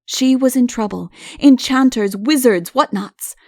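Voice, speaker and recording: A woman's voice: a little high, unhurried, warm tone, dry recording, studio quality. A woman reading a comic fairy tale as an audiobook narrator, in scripted storytelling style.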